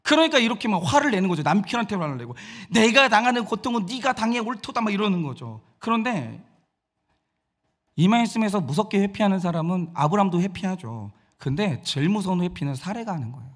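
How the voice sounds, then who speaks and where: A man's voice: high voice, a little fast. A man preaching a sermon as pastor, posing questions to the congregation and acting out voices. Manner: animated, acts out quoted voices.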